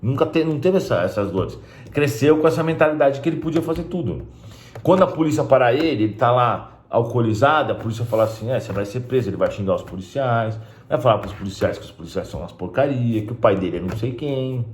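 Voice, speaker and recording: A man's voice: mid-range voice, expressive, fast talker. Blunt, emphatic man. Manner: blunt and emphatic, with frequent "né?" asides. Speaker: spiritist video host. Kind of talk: casual talk to camera. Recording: roomy echo.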